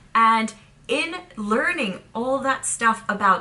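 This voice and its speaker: A woman speaks over noticeable background noise. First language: Czech. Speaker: language-learning YouTuber. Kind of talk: scripted educational vlog.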